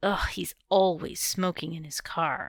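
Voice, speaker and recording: Putting on a raspy character voice, a woman speaks fairly slowly and fairly low. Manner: annoyed, complaining.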